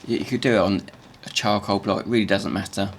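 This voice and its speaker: A man with a croaky morning voice teaching jewellery making in a casual, halting way, often repeating words as he talks. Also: fairly low pitch, fairly even intonation. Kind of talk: casual workshop tutorial voice-over.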